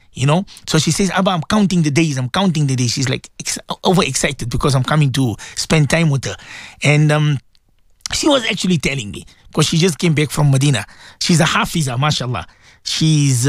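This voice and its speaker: A man's voice: a little high, no room sound, clean studio sound. A middle-aged man hosting a religious radio show, talking to listeners in an emotional, pleading way and often repeating himself.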